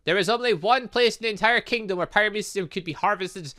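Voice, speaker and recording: A man's voice: sits high, fast, bright, forceful tone, pitched above the performer's own voice. A man voicing an eager female science professor as he reads game dialogue aloud. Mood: brisk. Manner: reading dialogue aloud in a light put-on voice. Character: female professor, brisk, scholarly, enthusiastic about science.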